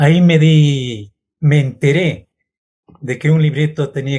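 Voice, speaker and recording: This is a man's voice. It sounds somewhat breathy. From Bolivia, northern Potosí mining region. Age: 80s+. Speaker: radio scriptwriter and broadcaster. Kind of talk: interview.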